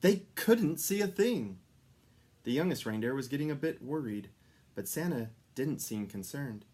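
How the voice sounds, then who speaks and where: A man reading a children's story aloud as an expressive narrator. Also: mid-range voice, normal speed, husky. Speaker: storybook reader.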